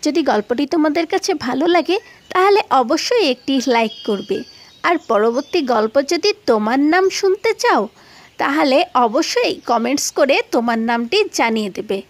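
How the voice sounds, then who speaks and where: A woman's voice: high-pitched, expressive, normal speed. A woman narrating for children as the storyteller and host of a cartoon channel.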